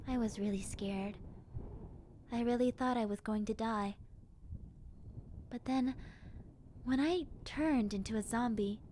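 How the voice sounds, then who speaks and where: A woman voicing a friendly, gentle, wistful young zombie girl in a roleplay monologue, speaking softly and hesitantly with childlike sincerity. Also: on the high side, slight background noise, pitched above the performer's own voice. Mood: wistful, resigned. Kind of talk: roleplay audio drama monologue.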